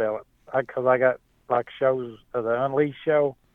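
A man speaks with an Appalachian accent. His pitch is medium and his intonation fairly even. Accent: Appalachian US Southern. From Eastern Kentucky, Breathitt County. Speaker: mini truck enthusiast and photographer. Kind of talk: casual chat.

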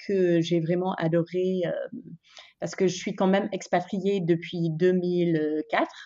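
A woman's monotone, flat delivery at a medium pitch and a very slow pace. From US South, Richmond, Virginia. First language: English (speaking French). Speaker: entrepreneur. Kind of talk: interview. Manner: hesitant.

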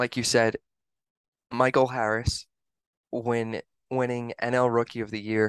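With long, frequent pauses and monotone, flat intonation, a man speaks at a fairly slow pace and medium pitch against a quiet background, the sound dry and close with no echo. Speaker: podcast host. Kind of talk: casual chat and interview.

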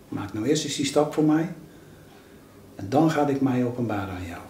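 In a space with audible room echo, a man talks with ordinary pitch variation. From Netherlands, Katwijk (South Holland coast). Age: 60s. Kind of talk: personal faith testimony.

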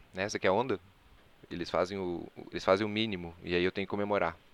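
A man speaks at a very fast pace. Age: 20s. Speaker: podcaster. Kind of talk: casual chat.

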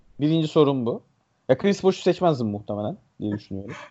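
A man's voice with very wide pitch swings. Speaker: basketball podcast host. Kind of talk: casual chat.

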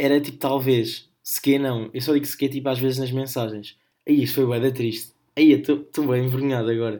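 A man's medium-pitched voice with a dark, mellow tone at a fairly quick pace, in a very clean recording with a silent background. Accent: European Portuguese. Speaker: podcast host. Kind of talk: casual solo chat. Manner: animated.

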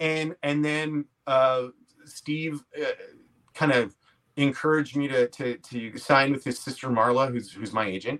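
The speaker has a Montreal accent and talks at a fairly slow pace. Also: man, medium pitch for a man, fairly even intonation. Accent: Montreal anglophone Canadian English. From Montreal, Quebec, Canada. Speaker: comedy writer and actor. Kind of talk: casual interview chat.

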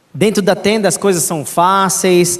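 An animated, energetic tone at a moderate pace, with noticeable background noise. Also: man. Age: 30s. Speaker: missionary preacher. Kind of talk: sermon with audience interaction, quiz and call-and-response. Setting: church with live audience.

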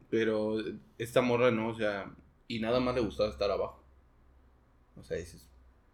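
A man with a Mexican accent speaks with ordinary pitch variation and long, frequent pauses amid audible room echo. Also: medium pitch for a man, moderate pace. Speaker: TikTok creator. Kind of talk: casual chat.

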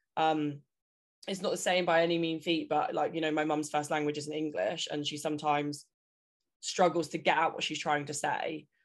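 A woman with a British accent speaks at a very deep, low pitch in monotone, flat intonation, against a quiet background. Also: moderate pace. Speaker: podcast host. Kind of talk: casual chat. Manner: fluent, no stammer.

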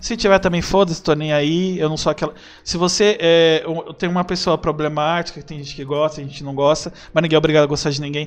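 The speaker talks very fast with hardly any pauses, fairly even intonation, and big swings in loudness. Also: man, fairly high pitch for a man. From Brazil, São Paulo. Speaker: podcast host and streamer. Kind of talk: casual chat. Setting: livestream. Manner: talkative.

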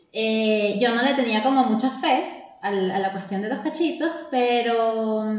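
A woman speaks with ordinary pitch variation, and audible room echo can be heard. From Venezuela. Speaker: bakery entrepreneur. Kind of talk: casual interview.

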